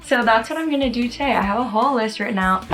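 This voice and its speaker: A woman's voice: fairly high pitch, very fast, fairly bright tone, soft background music. A woman in her early twenties chatting casually to her viewers as a vlogger, informal and peppered with filler words like "like" and "you know". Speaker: YouTube vlogger. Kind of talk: casual chatty talk to camera.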